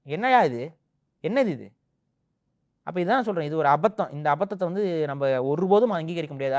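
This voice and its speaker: Fast, indignant high-voiced man. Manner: indignant, rapid, rising to emphatic outbursts. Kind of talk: heated opinion talk.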